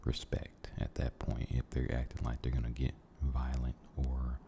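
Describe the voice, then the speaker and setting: A man giving a soft-spoken, mostly whispered ASMR ramble, halting and gentle, repeating his phrases, close to the microphone. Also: extremely low pitch, monotone, slight background noise. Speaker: ASMR video creator.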